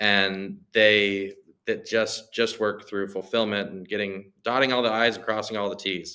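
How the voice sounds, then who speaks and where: A man speaks at a fairly slow pace in a fairly low voice with a bright, sharp tone and flat, monotone intonation, though his loudness swings widely. The recording is very clean, with a silent background. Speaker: video marketing agency co-founder. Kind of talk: podcast interview.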